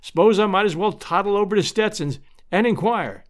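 A man's voice: high-pitched, fairly quick, voice pushed up, lightly acted. A man voicing a plain-spoken, good-hearted country fellow home from out west, earnest and folksy, in a storybook. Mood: dismayed. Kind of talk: storybook character voice.

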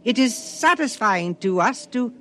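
An actor playing a calm alien explorer who glows and eats rock, speaking formally and precisely without contractions, in a radio drama. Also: male voice, extremely high pitch, a little slow, a little hiss or hum, heavily acted. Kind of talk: 1950s radio drama acting.

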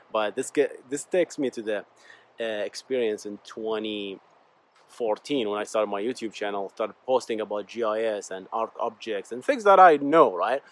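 A man whose first language is Arabic, speaking English in a casual, earnest, rambling motivational monologue to his viewers. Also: fairly low pitch. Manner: rambling, earnest, often addresses listeners as "guys". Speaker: YouTuber and podcast host.

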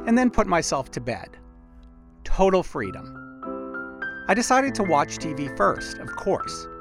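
A male podcast host delivers scripted narration in a lively, expressive way. His voice sits fairly high for a man and moves around a lot in pitch. Music plays clearly underneath.

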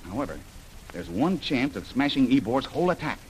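A man's voice: mid-range voice, big pitch swings, brisk, a little mellow, slight background noise, close to an everyday voice, rough recording. An actor playing a bold, confident male jungle adventurer who takes charge in an old radio serial.

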